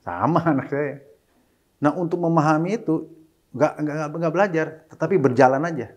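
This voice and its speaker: A middle-aged single father appears as an interview guest, speaking casually at a moderate pace in a slightly high voice. He mixes in English phrases and becomes animated when quoting his children.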